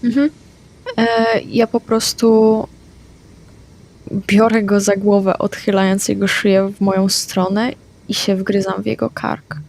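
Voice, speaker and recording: A woman playing a tabletop vampire game, declaring her character's actions in a quick, plain manner. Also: mid-range voice, little pitch movement, creaky, darkish tone. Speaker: player.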